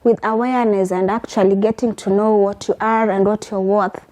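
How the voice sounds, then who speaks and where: Young woman talking it through on a tv interview, mellow warm tone, steady and earnest. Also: mid-range voice, a little fast. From Kenya. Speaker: guest, lawyer and advocate.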